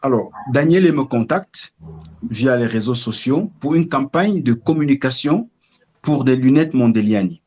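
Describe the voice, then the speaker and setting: As an interview guest, a middle-aged man from Cameroon reflects on his story with a medium-pitched, animated and slightly mellow voice. He stays measured, often pausing while he searches for words.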